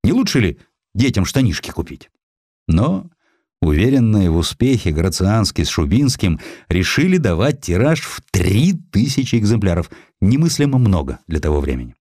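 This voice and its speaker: A man narrates a historical sketch in a fairly low voice with very lively intonation. The sound is dry and close, and the delivery is that of a scripted, expressive audiobook reading. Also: normal speed, dry recording.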